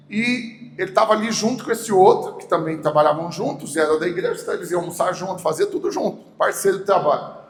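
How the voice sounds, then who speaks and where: A high-pitched Brazilian man with a Goiás accent preaches in a big church hall, his voice ringing with a long reverb. He tells the story with animated acted dialogue, dropping to a hush and then rising loud, with faint noise underneath. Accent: Goiás Brazilian Portuguese. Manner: animated storyteller acting out quoted dialogue, swinging between hushed and loud. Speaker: pastor. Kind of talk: sermon storytelling.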